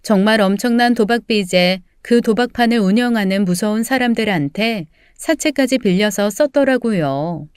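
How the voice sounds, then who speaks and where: A woman playing a resolute adult daughter who tells her own story in measured, restrained scripted narration. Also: mid-range voice, lively intonation, darkish tone, smooth, dry recording, clean studio sound, lightly acted. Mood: bitter, resolute.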